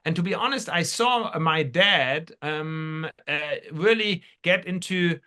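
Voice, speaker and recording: This is a man from Germany with a bright, fairly high voice, an entrepreneur guesting on a podcast. He shares stories casually in interview style, speaking haltingly, wandering off track and repeating himself.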